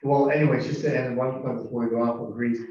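A man's voice: mid-range voice, steady tone, fast talker, darkish tone, recorded from a distance. A man at a town board meeting, chatting and thinking aloud with enthusiasm. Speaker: board member. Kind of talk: casual meeting discussion. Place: town meeting room, large table. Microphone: far room microphone. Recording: echoey meeting room from afar, dull.

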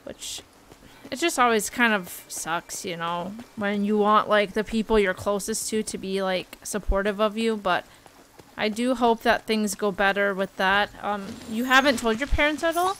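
Bubbly, bright-voiced woman streamer. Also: medium pitch, moderate pace, a little hiss or hum, poor audio. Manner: bubbly, gushing, chatty. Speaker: game streamer. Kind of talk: casual gameplay commentary.

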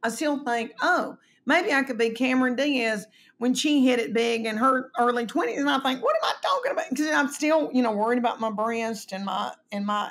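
This is a woman in her fifties with a slightly raised voice, talking as a podcast guest over a video call from her home. She tells stories in an earnest, self-deprecating way and often drops quieter at the ends of her thoughts. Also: a little high. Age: 50s. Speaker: guest comedian. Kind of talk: candid conversational storytelling.

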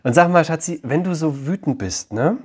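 Husky male psychologist, 30s, direct explanatory delivery, softens to a coaxing tone with a child. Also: on the high side, animated, moderate pace. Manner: direct and explanatory, often checks in with "ja?"; gentle, coaxing tone with his son. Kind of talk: advice talk to camera, then chat with his child.

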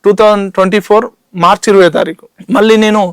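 A man's voice: sits high, fairly even intonation, quick pace, fairly bright tone, clean tone, dry recording. A man with a Telangana Telugu accent, giving an urgent interview about his grievance, recounting dialogue and addressing the interviewer as sir. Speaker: chit fund victim interviewee. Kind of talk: interview testimony.

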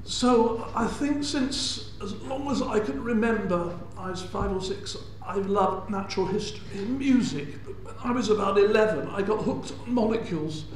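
A man's voice: sits high, animated, normal speed, few pauses. An older man with a southern English accent giving a public science lecture in a large hall. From England. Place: large indoor lecture hall before an audience. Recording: echoey lecture hall, faint noise.

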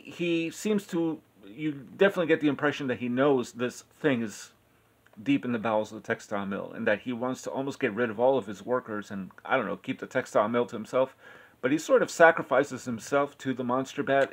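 A man giving a casual spoken film review, rambling and halting, often correcting himself mid-sentence. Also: mid-range voice. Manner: rambling, halting, with frequent self-corrections and filler.

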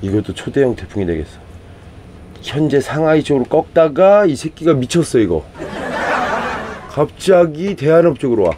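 Higher-voiced man chatting to vlog viewers. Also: sing-song, normal speed, pauses often, mellow, slight background noise. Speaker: vlog host. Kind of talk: casual vlog narration to viewers.

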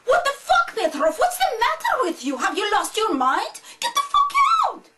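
Woman putting on loud, high-pitched theatrical comic character. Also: huge pitch swings, normal speed, recorded from a distance, over loud music, exaggerated voice. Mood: outraged. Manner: theatrical, exclamatory. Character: parodies of loud, theatrical celebrities and brassy characters. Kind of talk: comic celebrity impressions and character sketches. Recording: noisy home video, off the mic.

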